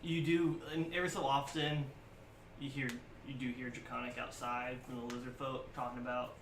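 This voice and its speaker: A young man running a tabletop game as dungeon master, casual and quick to voice characters. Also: mid-range voice, level tone, fairly bright tone. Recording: echoey room, far from mic, noisy.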